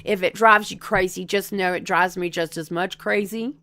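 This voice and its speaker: A woman's voice: on the low side, fairly even intonation, moderate pace, a bit bright. A woman with a Texan drawl hosting a livestream, chatting casually and rambling with lots of swearing. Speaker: streamer host.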